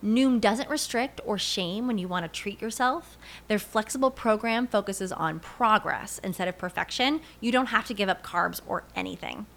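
A woman's voice: mid-range voice, moderate pace, a bit bright. A woman reading a scripted advertisement as a testimonial. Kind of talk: scripted ad read.

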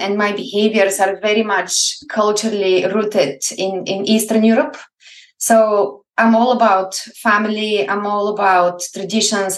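A woman's voice: mid-range voice, far from the mic. A woman from Bulgaria, speaking enthusiastically as a psychologist guest in an interview. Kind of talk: interview conversation. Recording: echoey room, away from the mic.

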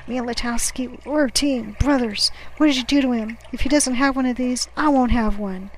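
A woman's voice: a little high, moderate pace, slight background noise, voice pushed up, close to an everyday voice. A woman voicing a delirious, paranoid shipwrecked male sailor in an audiobook, raving and accusing in a strangled, agitated voice. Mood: desperate.

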